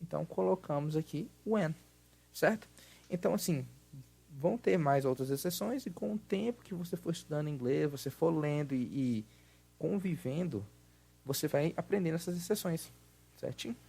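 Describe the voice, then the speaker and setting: Speaking with a Portuguese accent, this Brazilian teacher walks through an English grammar lesson with patience, slowly repeating words to demonstrate how they sound. He pitches fairly high and sounds animated, mellow and a touch breathy, with some vocal fry.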